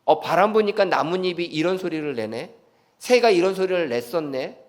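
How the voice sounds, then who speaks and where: A man's voice: sits high, lively intonation, moderate pace. A man preaching a sermon as pastor. He asks the congregation questions and acts out short bits of dialogue.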